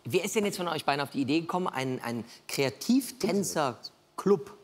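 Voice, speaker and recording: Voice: medium pitch, expressive, a little fast. A game show host presenting live in a chatty way, putting questions to guests. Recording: music and audience sound behind. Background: music and crowd.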